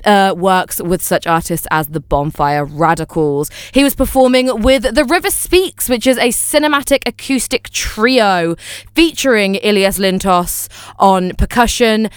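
A young woman hosting a music radio show, chatty and enthusiastic, often pausing on fillers and apologizing for names she might mispronounce. Her voice is smooth and clear, recorded close and dry with no room sound. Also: mid-range voice, no echo. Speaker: radio presenter. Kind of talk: casual radio chat.

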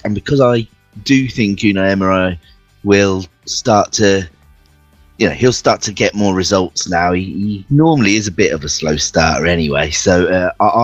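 A man giving a measured football preview on radio, analysing tactics with some restarts. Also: deep voice, dry recording, highs cut off. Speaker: football pundit.

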